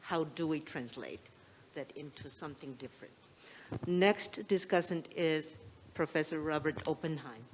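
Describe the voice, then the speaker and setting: Moderator, formal, brisk, slight background noise. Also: mid-range voice. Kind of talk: moderating a panel.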